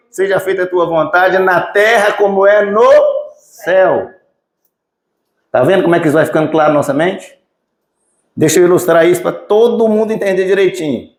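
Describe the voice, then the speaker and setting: A man's voice: sits high, a little fast, echoey room. A male preacher from Minas Gerais with a Mineiro accent, teaching a sermon emphatically and putting questions to the congregation. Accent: Mineiro Brazilian Portuguese. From Minas Gerais, Brazil. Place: church sanctuary.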